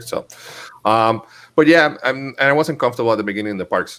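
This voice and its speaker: The speaker is a man with a Spanish accent. His pitch varies in an ordinary way. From Puerto Rico. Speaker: Disney YouTuber. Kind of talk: casual chat.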